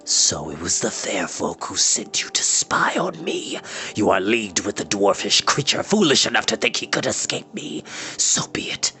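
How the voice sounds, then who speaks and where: A cold, arrogant evil wizard from a storybook. The voice sits low and breaks into menacing whispers and hisses. It moves slowly and scornfully over faint music. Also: male voice, sing-song, sharp tone, full character voice. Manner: slow, menacing, contemptuous. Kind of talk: storybook character voice.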